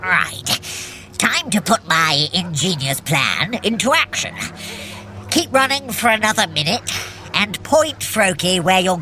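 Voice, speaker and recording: A woman's voice: fairly low pitch, sharp tone, exaggerated voice. A woman playing a scheming trickster god in an audio drama, grandiose and self-satisfied, talking straight to the listener.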